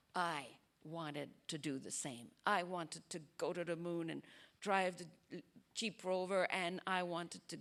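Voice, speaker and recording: On a very clean recording with a silent background, a woman with a Quebec accent speaks at a fairly slow pace with ordinary pitch variation. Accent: Québécois French accent in English. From French-speaking Canada. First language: French. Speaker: astronaut. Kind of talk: panel talk at a festival. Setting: stage with audience.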